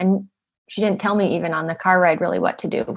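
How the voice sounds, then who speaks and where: A woman with an American accent talks at a fairly quick pace in an ordinary speaking voice, medium in pitch with fairly even intonation. The background is quiet. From Utah. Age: 30s. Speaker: abuse survivor. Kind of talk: testimony.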